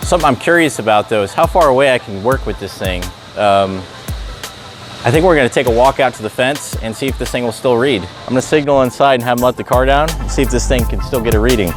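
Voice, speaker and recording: A man's voice: mid-range voice, fast, faint music behind. A man presenting a product tutorial in an informal, plain-spoken, unscripted way, as someone who works hands-on in a shop. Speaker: race car builder presenting a product tutorial. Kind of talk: casual hands-on product demonstration.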